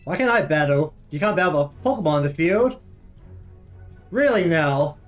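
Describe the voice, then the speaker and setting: A man's voice: on the high side, lively intonation, normal speed, soft background music. A man giving casual let's-play commentary, chatty and joking, swearing now and then. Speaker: gaming video host.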